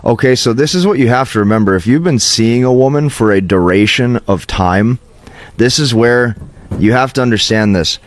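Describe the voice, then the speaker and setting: Here a dating coach speaks to camera at medium pitch and a moderate pace, giving forceful, instructive motivational advice and often tossing in "okay". There's slight background noise.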